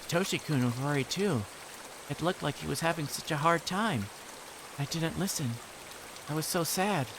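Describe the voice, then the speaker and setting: A man's voice: a little high, animated, normal speed, background noise, voice pushed up. A man voicing an eerie, insistent teenage girl from a visual novel, coaxing and accusing. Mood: sorrowful, earnest. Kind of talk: visual novel character read aloud.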